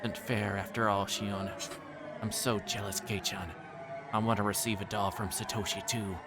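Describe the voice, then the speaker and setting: A deranged young woman killer acted out by a man broods and gloats in a fairly low voice. She is bitter, obsessed with vengeance, and speaks over prominent music, as in a visual novel. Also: level tone, normal speed, close to an everyday voice. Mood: jealous longing. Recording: music playing behind the voice.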